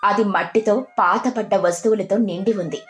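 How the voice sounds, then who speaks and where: A woman's voice: mid-range voice, fairly even intonation, fairly quick. A woman reading scripted story narration as the narrator. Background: background music.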